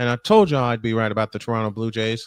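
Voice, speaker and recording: A very clean recording of a man talking against a silent background. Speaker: sports play-by-play announcer. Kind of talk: live commentary. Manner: soft-spoken.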